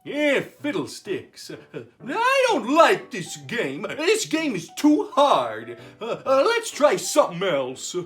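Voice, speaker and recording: Excitable old man puppet, childlike, hugely animated pitch, drawn-out delivery, slapstick comedy. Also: faint music behind, exaggerated voice. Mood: disappointed. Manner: giddy, stammering, repetitive, giggly.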